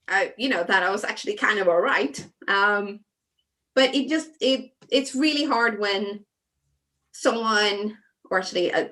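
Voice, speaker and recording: Bright-voiced Swedish-born woman, chatty guest. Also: medium pitch, low-quality recording. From Sweden. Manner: warm, chatty, many fillers and soft trailing asides. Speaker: guest designer. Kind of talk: casual chat while crafting.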